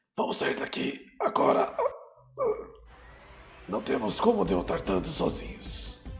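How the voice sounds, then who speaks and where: A man's strained, raspy put-on character voice at a fairly slow pace, with long, frequent pauses and faint music in the background. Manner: strained, struggling to get words out.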